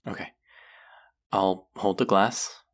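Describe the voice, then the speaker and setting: A voice actor playing a caring but gently stern clinic guide in a roleplay audio drama, soft-spoken and concerned, talking straight to a patient. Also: low voice, steady tone, slow pace. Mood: gentle, firm. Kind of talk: roleplay audio drama, speaking softly to the listener.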